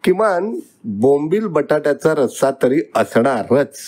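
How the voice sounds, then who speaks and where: A man reading his own story aloud as narrator, slow and deliberate. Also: on the high side, big pitch swings, a little mellow.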